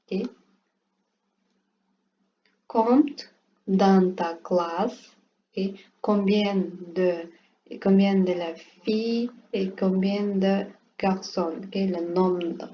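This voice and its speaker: Woman teacher, slow patient classroom explanations, warm low tone, muffled lo-fi recording with light hiss. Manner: repeats "ok" often, simple halting phrasing. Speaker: French teacher. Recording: dull lo-fi recording with faint room noise.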